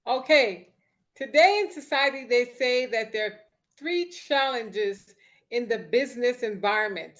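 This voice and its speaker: A woman on a video call posing a discussion question in a measured, explanatory way. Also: fairly high pitch.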